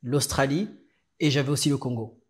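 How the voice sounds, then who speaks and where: On a podcast, a male guest from France narrates his personal story with a medium-pitched voice. He sounds at ease, though he stumbles and starts over often.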